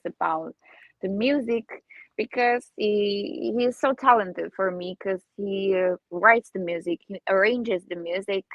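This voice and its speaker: Woman in her 20s, Armenian native speaker, halting careful English, dry close sound. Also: medium pitch, no echo, low-quality recording. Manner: halting non-native English, searching for words. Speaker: singer guest. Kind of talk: casual interview answers.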